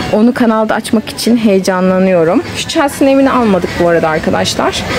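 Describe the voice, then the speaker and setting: A woman holds a moderate pace, and noticeable background noise can be heard throughout. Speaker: toy vlogger. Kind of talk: casual vlog chat. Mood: excited, happy. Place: shop. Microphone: phone near.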